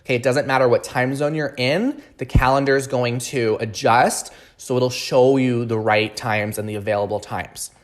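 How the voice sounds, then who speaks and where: A man's voice: medium pitch, fairly even intonation, normal speed, few pauses. A man speaking as a podcast host and coaching trainer, explaining things in an earnest, emphatic way and often checking in with the listener. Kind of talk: solo podcast talk, promotional explainer.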